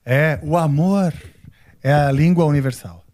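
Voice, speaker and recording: A man hosts an interview in a chatty, encouraging way and likes to muse aloud between questions. His voice is fairly high for a man and mellow in tone. The recording sounds dry and close. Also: measured pace, no echo. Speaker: podcast host. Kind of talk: casual interview.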